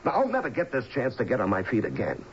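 Radio drama, faint hiss: hot-tempered unemployed miner husband, insistent, agitated, wildly varied pitch. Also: male voice, wildly swooping pitch, quick pace. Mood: angry, pleading. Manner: agitated, insistent, repeats himself. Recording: muffled, faintly hissy old radio recording.

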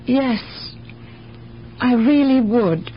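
An actress playing a lonely, compassionate older aunt in a radio drama, speaking earnestly and hesitantly. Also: female voice, fairly high pitch. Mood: gentle pleading. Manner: earnest, hesitant, with halting repetitions. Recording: dull, noisy old radio broadcast.

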